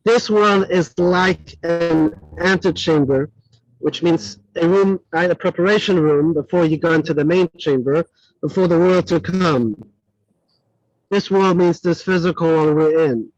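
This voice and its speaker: Animated man teaching a class. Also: fairly high pitch, a little slow, dry recording. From Switzerland. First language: not English. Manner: animated, self-correcting, chatty asides. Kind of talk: classroom lecture with audience questions. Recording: dull lo-fi dry recording.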